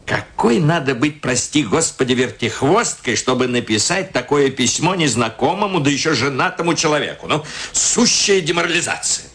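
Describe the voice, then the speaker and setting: A man's voice: a little high, very animated, moderate pace, few pauses, fairly bright tone. An actor playing a self-important, easily flustered middle-aged married man in a radio play, muttering to himself with theatrical hesitation. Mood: indignant, puzzled. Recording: radio play with music underneath.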